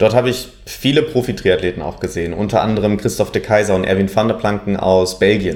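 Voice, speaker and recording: A man talks at a fairly quick pace in a plain, everyday voice. His pitch is fairly low, with ordinary pitch variation. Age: 20s. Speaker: amateur triathlete. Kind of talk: interview.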